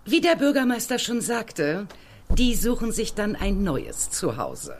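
A woman's voice: mid-range voice, very animated, a little slow. A woman playing a cold, dismissive businesswoman in a children's audio drama, haughty and emphatic. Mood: haughty, scornful. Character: cold, dismissive businesswoman pushing a dam project.

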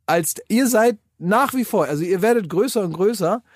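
A man with a somewhat high voice, chatting as a podcast co-host and spinning long anecdotes padded with fillers. The sound is dry and close, with almost no room around it. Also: lively intonation, normal speed, breathy edge, dry recording. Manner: rambling anecdotes with many fillers. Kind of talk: casual banter.

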